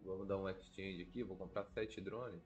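A man's voice: sits low, fairly even intonation, moderate pace, darkish tone, lo-fi sound, soft background music. A Brazilian man with a stuffy, congested nose from a cold, thinking aloud in casual, slangy gameplay commentary. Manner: informal, slangy, swearing. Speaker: gaming video creator.

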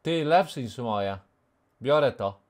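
A man in his thirties, streaming a game in a small room through a headset mic. His pitch is mid-range but his delivery swings widely and animatedly. He curses at the screen, yells when things go wrong, and drops to a hush while he waits for a catch. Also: slow pace. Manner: excitable, swears, yells at the game, then drops to a whisper. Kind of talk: casual live gameplay commentary.

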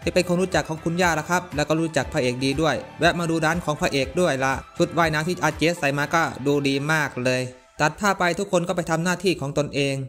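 Brisk, chatty man recapping an anime. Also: a little high, a bit bright, soft background music. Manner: brisk, chatty, slangy asides. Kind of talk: casual anime plot recap narration.

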